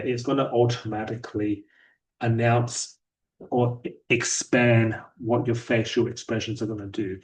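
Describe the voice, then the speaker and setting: A man giving a daily sales progress report in a flat, somewhat robotic, monotone delivery. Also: mid-range voice. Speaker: sales rep vlogger. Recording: voice a bit distant from mic.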